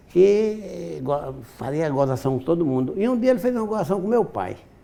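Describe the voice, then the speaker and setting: Very wide pitch swings from a man speaking at a moderate pace, with noticeable background noise behind him. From Brazil, Paraíba (João Pessoa). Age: 70s. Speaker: publicist and editor. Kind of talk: TV interview.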